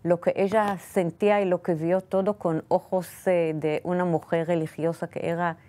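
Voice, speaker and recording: A woman's voice: lowish voice, flat delivery, mellow. Israeli woman telling family stories. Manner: careful, slightly halting non-native Spanish. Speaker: guest. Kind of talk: interview storytelling.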